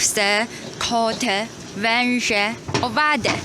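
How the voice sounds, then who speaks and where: There is noticeable background noise behind a woman with a fairly high voice. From China. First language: Chinese (speaking Polish). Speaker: vlogger. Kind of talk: scripted explainer video. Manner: halting, with hesitations.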